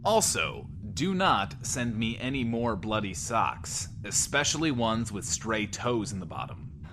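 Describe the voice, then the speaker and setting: A brash post-apocalyptic radio host, a man with a lowish voice that moves animatedly. He is theatrical and sardonic, holding forth like an audio drama DJ, with slight noise behind him. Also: very animated, unhurried. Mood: exasperated. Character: brash, wry male post-apocalyptic radio DJ, grandly rousing. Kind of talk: in-world radio show monologue in audio drama.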